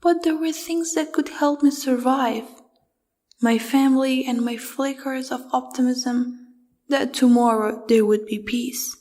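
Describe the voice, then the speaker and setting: Young woman from Afghanistan, measured and reflective. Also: high-pitched, fairly even intonation, warm tone. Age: young adult. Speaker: student. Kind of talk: reflective personal narration.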